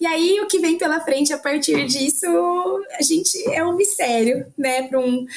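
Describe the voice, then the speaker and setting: A woman's energetic tone with ordinary pitch variation. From Brazil, Marília (São Paulo state interior). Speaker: lawyer. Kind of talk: podcast interview. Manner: fast.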